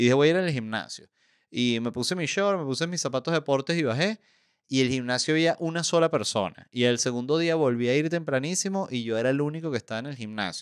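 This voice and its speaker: Against a quiet background, a man with a fairly high voice speaks very fast with lively intonation. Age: 30s. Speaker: comedian and podcast host; comedian, podcast host. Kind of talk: solo comedic monologue podcast. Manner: casual, animated. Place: studio. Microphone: studio mic.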